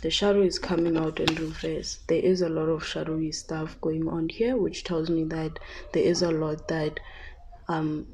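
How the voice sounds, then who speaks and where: Soft-spoken, hesitant woman. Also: low voice, little pitch movement, moderate pace, a little hiss or hum. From South Africa. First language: Tshivenda. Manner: hesitant, many fillers and restarts. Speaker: tarot reader. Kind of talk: casual psychic reading.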